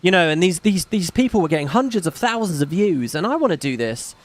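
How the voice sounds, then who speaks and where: A man hosting a casual gaming stream with a slight British lilt, rambling and self-deprecating, dropping curses between viewer comments. His voice sits a little high for a man. It is recorded close and dry, with no room sound. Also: big pitch swings, fast, dry recording. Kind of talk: casual livestream chat reading donations.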